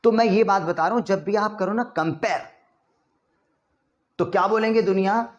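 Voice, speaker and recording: A man teaching English in a chatty way, repeating example sentences slowly so learners can drill them. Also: high voice, echoey room, muffled recording. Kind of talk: spoken English lesson in Hindi.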